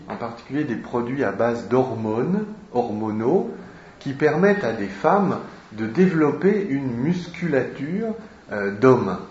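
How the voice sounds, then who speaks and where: A man teaching literature, walking through a novel page by page and pausing often to find his words. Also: mid-range voice, a little mellow, a little hiss or hum. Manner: slow and deliberate, with frequent hesitations. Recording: roomy, dull lo-fi recording.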